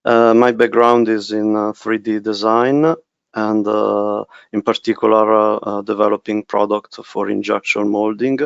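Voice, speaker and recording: Italian guy presenting a webinar, flat gravelly voice, lots of uh pauses. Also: lowish voice, dry recording, dull audio. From Italy. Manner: halting, many filler pauses. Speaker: technical specialist presenter.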